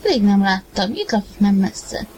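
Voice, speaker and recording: A woman reading a wife's lines in a story, soft and often hushed. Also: medium pitch, very animated, soft background music, poor audio. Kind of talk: dramatized audiobook reading.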